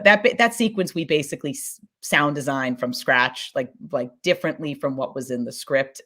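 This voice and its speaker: A woman podcast producer talking casually on a panel in an effusive, excitable, informal way. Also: very deep voice. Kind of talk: casual conference panel talk.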